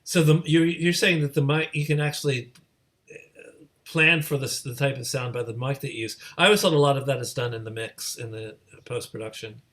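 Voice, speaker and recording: Man hosting, halting and conversational. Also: mid-range voice, a bit bright. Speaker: host of an online community gathering. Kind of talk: casual moderated video-call discussion. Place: remote video call.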